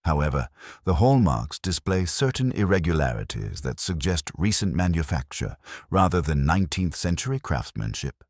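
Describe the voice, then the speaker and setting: A man voicing a careful small-town jeweler in a mystery story, speaking formally and with deliberate precision. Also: low voice, very animated, no echo, clean studio sound. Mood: expert, measured.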